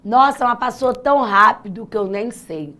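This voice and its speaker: A Brazilian woman with a naturally husky, hoarse voice, teaching a live online exam-prep class in an informal, encouraging, chatty way. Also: fairly high pitch, expressive, normal speed, bright, forceful tone. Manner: chatty, encouraging, addresses students directly. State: hoarse, voice worn out. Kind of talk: live online lesson, informal pep talk.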